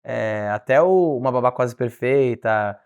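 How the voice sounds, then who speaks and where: A man's voice: mid-range voice, animated, unhurried, vocal fry, a little mellow, clean tone, lo-fi sound. A man co-hosting a casual talk show, chatting about the theater and listing examples. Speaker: co-host. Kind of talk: casual interview chat.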